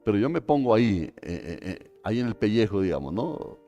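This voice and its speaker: A man preaching a live church sermon, animated, acting out quoted voices and dropping folksy asides. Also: on the low side, fairly quick, soft background music. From Colombia.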